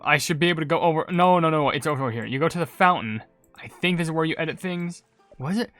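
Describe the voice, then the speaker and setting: A man's voice: on the high side, fast, fairly bright tone, dry recording, soft background music. A man hosting a gaming video, commentating casually and thinking aloud in a rambling way. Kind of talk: casual game commentary and sign-off.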